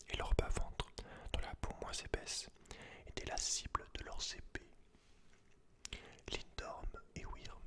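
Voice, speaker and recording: A man whispers throughout in a breathy, voiceless tone. He delivers it as ASMR, softly reading and explaining things informally and directly to the listener. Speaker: ASMR video creator. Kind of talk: whispered ASMR, reading aloud with casual asides.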